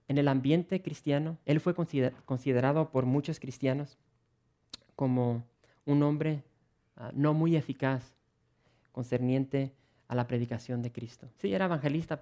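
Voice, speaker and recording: A man preaching a sermon in an earnest, animated way, repeating words and restarting phrases as he asks his listeners rhetorical questions. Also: mid-range voice. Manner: earnest and animated, with frequent word repetitions and restarts.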